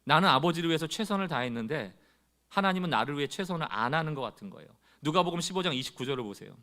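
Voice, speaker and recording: A man preaching a Sunday sermon as pastor, speaking straight to his congregation and acting out quoted complaints in a loud, rising voice. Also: a little high, expressive, rapid-fire.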